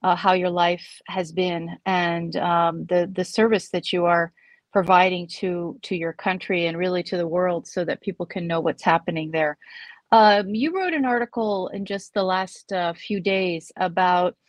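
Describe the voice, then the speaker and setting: A woman hosting an interview podcast over a video call, speaking in a measured way with frequent pauses and fillers. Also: fairly low pitch, steady tone, no room sound. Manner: measured, hesitant with many fillers. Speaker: podcast host.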